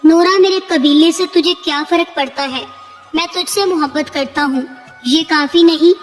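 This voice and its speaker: A woman's voice: high-pitched, soft background music, natural voice. A woman voicing a possessive, menacing male jinn chieftain in a spoken story, sweet-talking or harsh by turns. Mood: cold. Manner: sweet-talking, turning to angry shouts.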